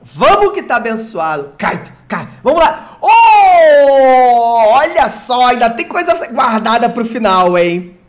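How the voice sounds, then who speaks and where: An excitable, slangy streamer from Brazil opening card packs live, who swears and jokes with chat. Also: medium pitch, moderate pace. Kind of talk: live unboxing chat with viewers.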